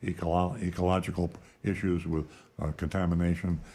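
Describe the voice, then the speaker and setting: Speaking at a fairly quick pace, a man has a very deep, low pitch and a dark, mellow tone. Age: 70s. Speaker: car dealer and radio talk show host. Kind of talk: call-in talk show. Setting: studio. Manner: halting, frequent fillers.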